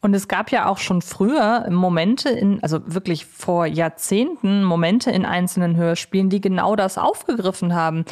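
A young woman speaks as a podcast host in a conversational interview. Her voice sits at a medium pitch, and she talks in a chatty, explanatory way as she leads into questions. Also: moderate pace, few pauses, a little mellow.

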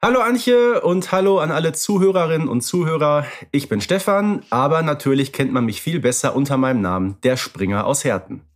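A man's voice: fairly high pitch, fairly quick, hardly any pauses. A man co-hosting a podcast, talking conversationally with precise, slightly formal turns of phrase. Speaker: podcast co-host.

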